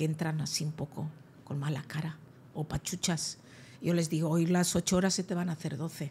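The woman's voice carries a somewhat breathy quality. She keeps her delivery at a moderate pace. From Spain. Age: 70s. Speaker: company president; podcast guest. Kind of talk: casual interview. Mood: warm, candid, reflective. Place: studio. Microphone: studio mic.

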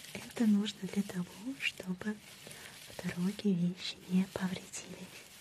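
A woman whispers at a very slow pace with hardly any pauses. Her loudness swings a lot. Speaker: ASMR creator. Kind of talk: ASMR role play, post office clerk. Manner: soft-spoken, whispered. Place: home room.

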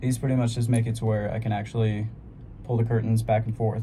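Noticeable background noise is present. The voice has a monotone, flat intonation. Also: man. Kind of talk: casual vlog tutorial. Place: car. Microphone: phone near.

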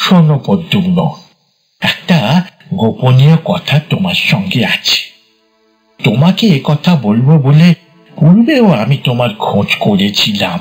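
Faint music plays in the background as a man speaks at a fairly slow pace in a fairly high pitch, with very wide pitch swings. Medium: read story. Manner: eager, coaxing, conspiratorial.

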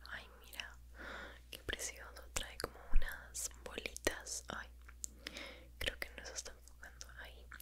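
A soft-spoken woman whispers at a moderate pace, her loudness swinging widely. Light background noise can be heard. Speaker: ASMR creator. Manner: soft intimate whisper. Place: home room. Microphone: studio mic.

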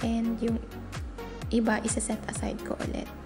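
Music plays behind a woman speaking with a Filipino accent. Her pitch is fairly high and her pace fairly slow. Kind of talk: DIY tutorial voice-over. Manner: casual, upbeat.

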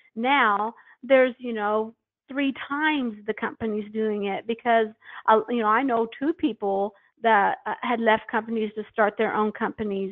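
A woman's fairly high voice at a moderate pace, fairly even in intonation, with a quiet background. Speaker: biomedical services business owner; panelist. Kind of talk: webinar panel discussion. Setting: online webinar. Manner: halting. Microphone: video call.

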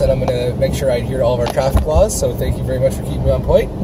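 Someone speaks at a very fast pace over loud background noise. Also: man. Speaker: show host. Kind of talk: casual interview chat. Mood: cheerful, enthusiastic. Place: car. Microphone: phone near.

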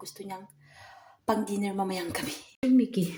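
A woman talks at a fairly quick pace, with medium pitch and ordinary pitch variation. Noticeable background noise runs underneath. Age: middle-aged. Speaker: vlogger. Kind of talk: casual vlog narration. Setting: at home.

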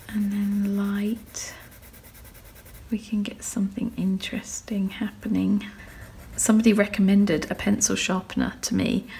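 Soft-spoken and relaxed in tone, a woman speaks at a moderate pace in a monotone, flat intonation with long, frequent pauses. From British. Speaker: artist. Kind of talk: casual talk to camera while drawing. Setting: quiet room, close microphone. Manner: soft-spoken, relaxed. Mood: relaxed, slightly hesitant.

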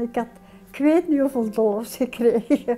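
Against faint music in the background, a woman speaks at high pitch and a moderate pace with ordinary pitch variation. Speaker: interviewee. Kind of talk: interview answer. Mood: lively, animated storytelling. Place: home room.

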